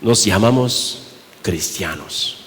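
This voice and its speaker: Korean-accented male pastor, measured unhurried sermon, lowish voice, echo of a church hall. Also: lively intonation, fairly bright tone. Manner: slow, halting delivery with rhetorical questions.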